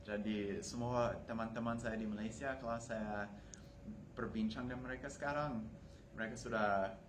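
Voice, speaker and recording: Low-voiced American man speaking as a foreigner, noisy. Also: steady tone, normal speed. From United States. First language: English. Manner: foreigner speaking Indonesian, with Malay-tinged wording. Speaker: university language student. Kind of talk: casual talk to camera. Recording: clearly noisy room ambience.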